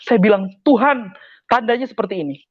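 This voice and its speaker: High-voiced man giving emphatic testimony. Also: a little fast, no echo, muffled recording. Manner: emotional, repetitive, emphatic storytelling. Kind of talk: personal testimony.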